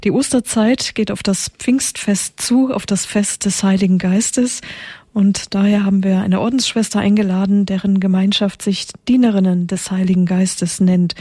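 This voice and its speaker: A woman hosting a religious radio program, reading a formal and measured introduction before welcoming her guest. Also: mid-range voice, dark tone, no echo, studio quality. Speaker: radio host.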